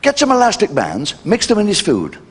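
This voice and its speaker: An older man doing a live stand-up comedy routine, brash and cheeky, with sudden jumps in pitch for punchlines. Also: huge pitch swings, fairly quick. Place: live venue with audience laughter.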